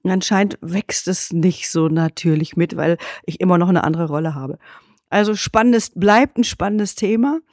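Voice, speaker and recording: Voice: mid-range voice, normal speed, a little mellow, no echo, studio quality. A host who runs seminars, agreeing readily and asking friendly questions. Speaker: podcast host, seminar trainer. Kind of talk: conversational interview.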